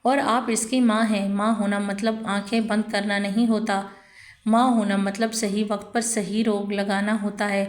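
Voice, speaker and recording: A woman voicing a calm, firm senior woman lawyer who speaks seriously over the phone. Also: mid-range voice, natural voice. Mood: grave. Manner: measured, serious, steady.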